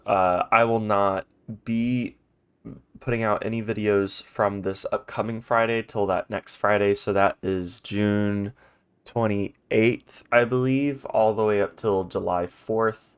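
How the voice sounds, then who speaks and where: A man's voice: fairly low pitch, fairly even intonation, takes it slowly, clean tone. A man hosting a game playthrough in a rambling, chatty way, his voice congested from a stuffy nose, recorded at home. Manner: rambling, chatty, many ums and restarts. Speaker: let's play host. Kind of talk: casual gaming commentary. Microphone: home recording mic.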